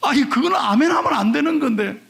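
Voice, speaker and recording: A man's voice: very high voice, lively intonation, fast talker, gravelly, a bit bright. A male pastor preaching a sermon in a folksy storytelling way, acting out the voices of people in his anecdotes. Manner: folksy storytelling, mimics others' speech.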